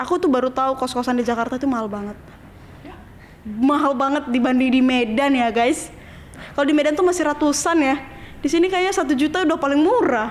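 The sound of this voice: Against noticeable background noise, a woman speaks very fast in a high voice. She has a strong North Sumatran accent. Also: ordinary pitch variation. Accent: strong Batak.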